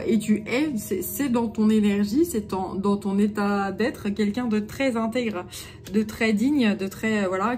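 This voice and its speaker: A woman with a Jura accent giving an unscripted channeled guidance reading, halting with many fillers and restarts and given to self-mocking humor. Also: medium pitch, warm tone. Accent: Jura French. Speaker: spiritual channeler.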